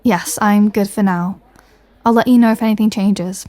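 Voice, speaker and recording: A woman's voice: medium pitch, fairly even intonation, moderate pace, mellow, close to an everyday voice. A woman playing an irritated, stubborn, proud female superhero in a comedic audio drama, answering with dry, sarcastic exasperation. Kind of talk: comedic audio roleplay acting.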